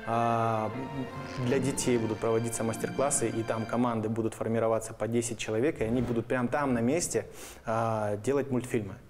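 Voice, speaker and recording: Guy in his 30s explaining stuff casually in a studio interview, average pitch. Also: little pitch movement, brisk, over music. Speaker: animation studio guest. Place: television studio, indoors. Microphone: lapel microphone.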